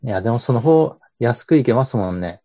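A man's voice: mid-range voice, expressive, a little fast, dark tone, no echo. A man who is a guest on a podcast, chatting easygoing and laughing often, with casual speech. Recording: dull lo-fi podcast audio.

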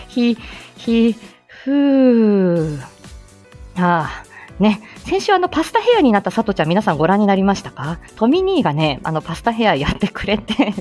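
A woman's voice: mid-range voice, darkish tone. A woman hosting a live stream in a casual, chatty way, often laughing between phrases. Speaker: livestream host.

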